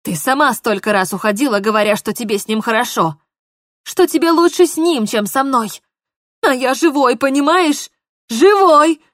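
A woman voicing a desperate, passionate young man in love, pleading in a lowered, slowed voice. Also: no echo, studio quality, lightly acted.

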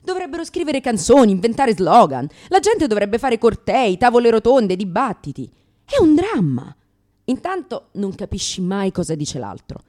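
A woman's voice: fairly high pitch, sing-song, normal speed, mellow. A woman performing a theatrical comic monologue as a brash, neurotic lesbian comedian, sardonic, exclamatory, crude and self-mocking. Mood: wry, ironic.

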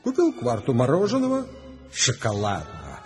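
A man's voice: mid-range voice, wildly swooping pitch, moderate pace, soft background music. An actor playing a gleefully rebellious, eccentric arrested man in a radio drama, telling his tales in a wry, theatrical manner. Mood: gleeful, animated.

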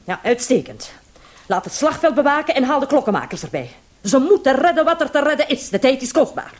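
A female police commissioner in a radio play. She is brisk and authoritative, with a fairly high, very mobile voice. Her delivery is businesslike and deadpan. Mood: brisk, commanding. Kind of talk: Dutch radio play acting.

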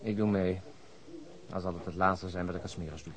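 An actor playing an indignant, excitable police detective in a radio play, husky and sarcastic. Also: male voice, deep voice, moderate pace, rough recording. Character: exasperated, indignant, theatrical male police detective.

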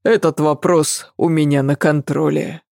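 A steady, firm young man speaks low and unhurried, with a gravelly edge, as a woman reader puts him on. The sound is close and dry. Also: dry recording. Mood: calm, firm.

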